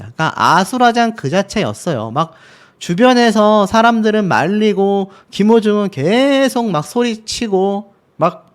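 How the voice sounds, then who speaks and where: High, lively-voiced male commentator. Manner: talks the viewer through clips step by step, leading each point with an aside. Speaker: channel host, commentator. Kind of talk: casual commentary over news footage.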